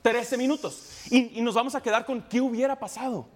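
A man with a high, light voice argues his case on a sports panel. He is emphatic and insistent and keeps repeating his point. Soft music plays behind him. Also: fairly even intonation, brisk. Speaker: sports pundit. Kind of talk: heated panel debate.

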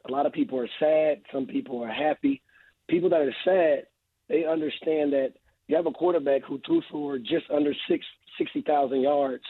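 A man's voice: on the high side, slightly rough, no echo. A man, a football analyst guest on a radio show, talking earnestly while he is losing his voice. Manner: earnest, emphatic, repeats phrases. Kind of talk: radio interview, sports analysis. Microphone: phone line. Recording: tinny phone line.

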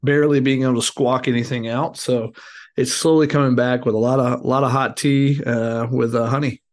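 A man co-hosting a casual sports podcast, hoarse as his voice comes back, talking in a rambling way with many fillers. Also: mid-range voice, steady tone, brisk. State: hoarse, recovering lost voice. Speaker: podcast co-host.

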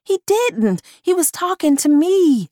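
A woman's voice: a little high, big pitch swings, a little slow, no room sound, studio quality, pitched above the performer's own voice. A woman voicing a frightened young fortune-teller from Tennessee, raised and pleading.

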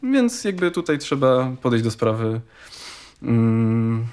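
A man from Poland, around forty, recalling family memories in a halting, thinking-aloud way. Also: medium pitch, very animated, darkish tone, clean tone. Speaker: interviewee, relative of former scouts. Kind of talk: personal reminiscence.

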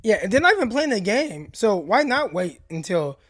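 A man co-hosting a sports podcast, talking in a passionate, deliberate and emphatic way. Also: high voice, big pitch swings, a bit bright. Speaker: podcast co-host. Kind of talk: casual sports chat.

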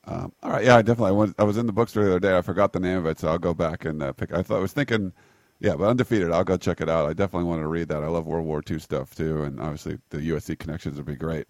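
A man hosting a sports talk show, quick and friendly, steering the chat. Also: low voice, steady tone, a little mellow, no room sound, studio quality. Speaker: sports radio host. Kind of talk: casual radio chat.

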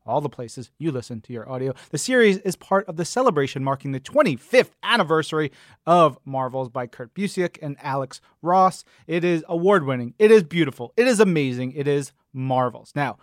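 A man's voice: a little high, lively intonation, fairly quick, no room sound, clean studio sound. A man hosting a podcast in an upbeat, playful and emphatic way. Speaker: podcast host and interviewer.

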